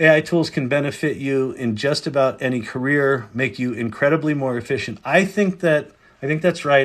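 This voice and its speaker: A man speaks in a Pennsylvania accent. His pace is moderate. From Pennsylvania (York). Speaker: AI educator livestreamer and company owner. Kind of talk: livestream Q&A. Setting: livestream. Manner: loud.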